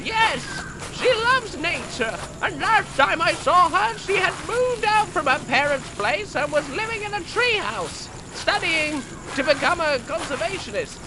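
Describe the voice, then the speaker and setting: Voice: extremely high pitch, very animated, a little slow, hardly any pauses, full character voice. An actor voicing a sassy female talking chicken in an audio drama, with a blunt, snippy manner. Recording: faint background noise.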